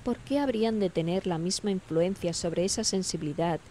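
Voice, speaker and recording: An actress playing a thoughtful, uneasy investigator in a horror audio drama, speaking in an articulate, earnest way. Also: female voice, lowish voice, brisk, mellow, a little hiss or hum, close to an everyday voice. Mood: uneasy, reflective.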